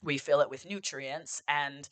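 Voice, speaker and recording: Sitting on a couch at home, a male podcast host muses aloud in a rambling solo reflection peppered with "like" and "sort of," and he's partly losing his voice. His voice sits on the higher side, slightly bright, with fairly flat intonation and an unhurried pace, captured in a dry recording.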